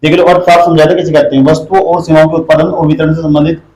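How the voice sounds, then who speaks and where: A man's voice: fairly high pitch, little pitch movement, racing, a little mellow. Man lecturing in an echoey classroom. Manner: scolding, quizzing the class. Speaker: teacher.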